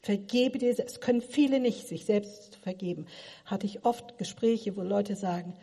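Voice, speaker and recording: A woman's voice: medium pitch, moderate pace, creaky, warm tone, breathy edge. A middle-aged woman giving a sermon, asking her listeners earnest, probing questions. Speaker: preacher. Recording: long hall reverb.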